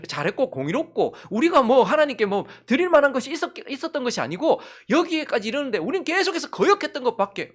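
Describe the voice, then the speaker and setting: A woman pastor with a Gyeongsang accent preaching a sermon, asking the congregation one rhetorical question after another. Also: fairly high pitch. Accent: Gyeongsang Korean.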